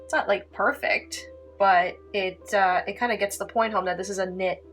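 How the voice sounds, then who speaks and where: A woman's voice: medium pitch, steady tone, normal speed, fairly bright tone. A young woman, a native Italian speaker from Canada, chatting casually through a painting tutorial with lots of "like" and "um.". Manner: chatty, heavy filler words, giggly asides. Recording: faint music behind.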